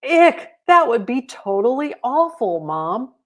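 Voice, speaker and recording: Woman acting a curious young girl, childlike, earnest, expressive, raised pitch, children's storybook. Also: slow, heavily acted. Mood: dismayed. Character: earnest, curious young girl who loves her cat. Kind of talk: children's storybook read-aloud.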